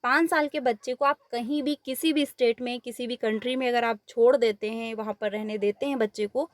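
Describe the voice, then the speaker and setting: A woman's voice: on the high side, fairly even intonation, a little fast, no echo. A woman teacher, walking through exam questions step by step, mixing English words into her Hindi and repeating the answers. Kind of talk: exam paper walkthrough lesson.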